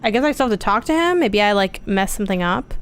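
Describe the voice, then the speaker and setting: A woman's voice: medium pitch, lively intonation, quick pace, clean tone. A woman streaming a game, chatting casually, thinking aloud and reading on-screen dialogue.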